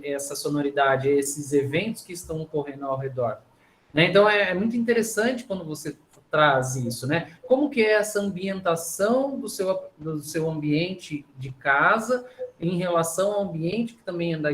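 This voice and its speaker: A man's voice: sits high, fairly bright tone. Man, teacher trainer, explanatory, rhetorical questions, video call. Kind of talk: leading a training session.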